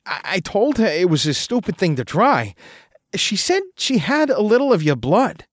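A man's voice: high-pitched, sing-song, normal speed, no room sound, clean studio sound, pitched above the performer's own voice. A man voicing an anxious young man who stammers and pleads nervously. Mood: worried. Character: anxious young man, worried rattled roommate.

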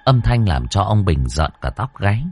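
A man's voice: deep voice, very animated, normal speed, a little mellow, husky, soft background music. Man telling a suspenseful story. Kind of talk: audiobook narration.

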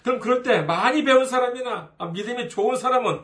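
A man's voice: extremely high pitch, fast, fairly bright tone, roomy sound. A man preaching a sermon as a pastor, in a conversational, humorous way, often asking the listeners questions.

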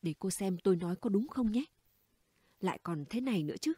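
A woman's voice: medium pitch, expressive, brisk, warm tone, slightly rough, dry recording. A woman reading the dialogue of a gossipy, blunt middle-aged neighbor woman in an audiobook, chatty and conspiratorial. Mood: gossiping.

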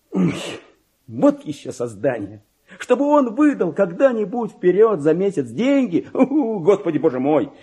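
A man's voice: a little high, dark tone, slightly rough. An actor voicing a petty, resentful, self-important male clerk in a radio play monologue, theatrical and grumbling, with mimicry of other people. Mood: indignant grumbling. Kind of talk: dramatic monologue in a Russian literary radio play.

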